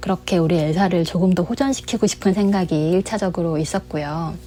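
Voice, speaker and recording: The woman's voice sits fairly low, with fairly even intonation. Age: 40s. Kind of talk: personal vlog monologue. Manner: frequent filler hesitations.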